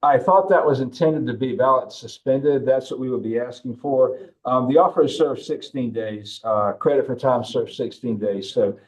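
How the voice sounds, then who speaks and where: A man's voice: mid-range voice, moderate pace, hardly any pauses, low-quality recording. A man speaking as a defense attorney in court, making his points formally in a hesitant, deferential way.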